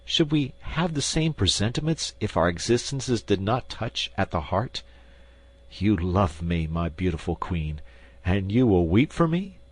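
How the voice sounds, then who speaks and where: A man's voice: deep voice, very animated, measured pace, breathy edge, exaggerated voice. A man reading an audiobook, voicing a passionate, reckless nobleman with fervent delivery.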